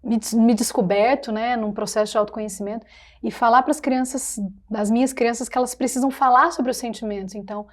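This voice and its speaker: A woman's voice: on the high side, fairly even intonation, fairly quick. A woman with a Brazilian Portuguese accent, a mother hosting a podcast and sharing her own experiences in a personal way. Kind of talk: podcast conversation.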